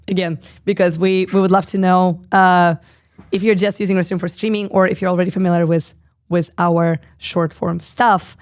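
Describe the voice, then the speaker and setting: A woman in her thirties hosting a live stream with a hoarse, husky voice, chatting casually and reading viewer comments aloud with lots of fillers. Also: on the low side. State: hoarse, lost voice.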